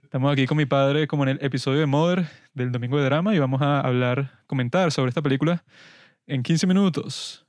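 A man's voice: mid-range voice, fairly quick, a little mellow, dry recording, clean studio sound. A man hosting a casual film review podcast, talking in a wry, mock-serious way. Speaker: podcast host.

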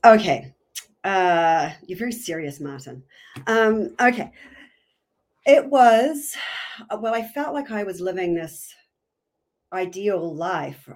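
A woman in her forties from New Zealand with a New Zealand accent, a podcast guest chatting casually, quick to poke fun at herself and laugh. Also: medium pitch, sing-song. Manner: chatty and self-deprecating, laughs often. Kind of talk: casual interview chat.

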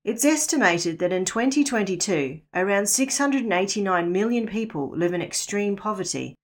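A middle-aged woman with a New Zealand accent, hosting a Christian podcast and reading a devotional reflection in an earnest, measured way. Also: mid-range voice, animated. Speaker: podcast host, Christian blogger.

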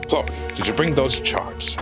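A man playing an older, wily pilot and treasure hunter in an adventure audio drama, folksy, world-weary and unhurried. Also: medium pitch, expressive, over music. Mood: businesslike.

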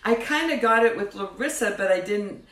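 A woman's voice: mid-range voice, lively intonation, normal speed, fairly bright tone, echoey room, far from the mic. A woman co-hosting a casual recap podcast, blunt and gossipy, laughing often. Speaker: podcast co-host. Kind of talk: casual reality-show recap chat.

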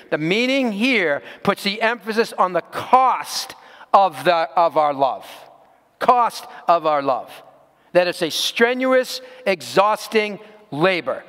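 A man's voice: high voice, fairly bright tone, in a large hall. A man preaching a sermon as pastor, earnest and direct, putting rhetorical questions to his congregation.

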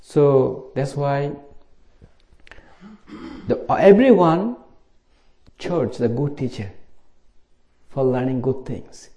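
A middle-aged Buddhist monk from Bangladesh with a Bangladeshi accent, giving an informal dharma talk in simple English at a meditation retreat. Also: male voice, mid-range voice, lively intonation, very slow, pauses often, dark tone, dull audio.

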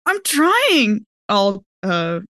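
A woman's voice: mid-range voice, wildly swooping pitch, very slow, bright, forceful tone, no echo. A woman playing a tabletop game, thinking through her moves aloud in casual chat.

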